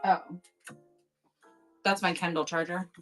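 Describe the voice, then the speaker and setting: A woman's voice: fairly low pitch, little pitch movement, takes it slowly, faint music behind, poor audio. A woman hosting a casual live online auction from home, chatty and upbeat, thanking bidders as she goes. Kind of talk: casual live-selling chat. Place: home at night.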